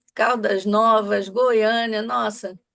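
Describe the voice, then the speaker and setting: With a Rio de Janeiro accent, a woman speaks very slowly in a fairly high voice. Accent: carioca. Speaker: webinar host. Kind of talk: webinar introduction.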